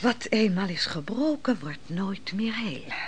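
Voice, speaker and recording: An actress plays a shrewd woman who pours wine and lectures in a Dutch radio drama. Her medium-pitched voice is measured and theatrical, with a mocking, didactic bent. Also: lively intonation, background noise, lightly acted. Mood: mocking, cutting. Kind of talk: Dutch radio play acting.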